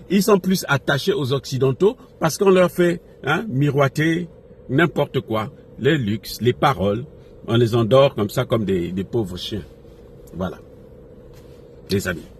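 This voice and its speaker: A man from Africa gives impassioned off-the-cuff political commentary, emphatically repeating phrases and posing rhetorical questions to his followers. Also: mid-range voice. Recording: noisy recording with background ambience.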